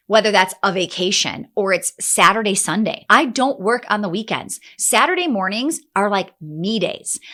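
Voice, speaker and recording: A woman in her forties giving an energetic motivational talk to camera as a business coach, emphatic, with quick restarts. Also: medium pitch. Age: 40s.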